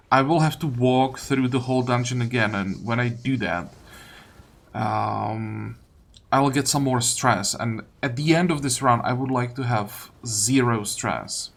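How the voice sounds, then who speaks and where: A man's voice: medium pitch, gravelly, a bit bright. A man giving casual game commentary, thinking aloud through his tactics in loose fragments. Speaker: gaming video creator. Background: game music.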